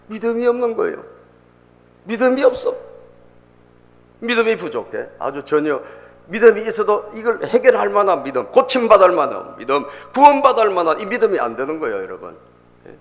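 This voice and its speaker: A man's voice: sits high, big pitch swings, fast. A male pastor delivering an emphatic sermon, repeating phrases and calling out to the congregation in a church sanctuary. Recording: long reverb in a church hall.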